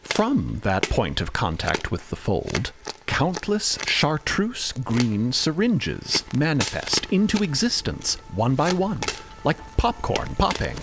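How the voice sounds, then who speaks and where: A man's voice: medium pitch, huge pitch swings, takes it slowly, background noise. A man narrating an audio fiction story with a dramatic delivery. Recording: loud music behind.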